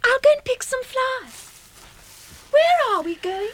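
A woman's voice: extremely high pitch, big pitch swings, unhurried, heavily acted. A woman playing a lonely, frightened but plucky little English girl in a 1960s radio drama, with a small childlike voice. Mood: earnest, brighter. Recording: faint hiss of old radio recording.

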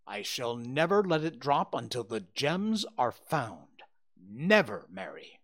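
A man's voice: mid-range voice, very animated, slow pace, fairly bright tone, voice pushed up, heavily acted. A man reading aloud, voicing a stern, worried older banker who speaks insistently and impatiently.

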